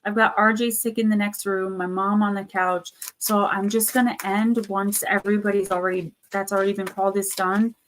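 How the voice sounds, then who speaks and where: On a low-quality recording, a female channel host runs a live tarot and oracle reading while her sore throat leaves her voice failing. Her medium-pitched delivery stays fairly flat and a bit quick with few pauses as she reads card texts aloud and then rambles on with many fillers and false starts.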